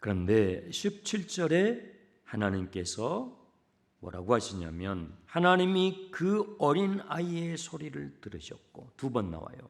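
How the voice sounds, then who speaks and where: A middle-aged male pastor preaching a sermon, moving from hushed whispers to loud cries and acting out the voices he quotes. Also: a little high, very animated, unhurried, vocal fry. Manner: dramatic, swings from hushed whispers to shouting; acts out quoted voices in the telling.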